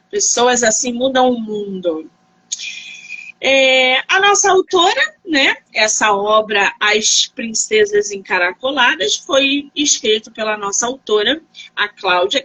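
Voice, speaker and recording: Bright-voiced woman host. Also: fairly high pitch, poor audio. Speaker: interview host. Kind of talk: casual interview over a live stream.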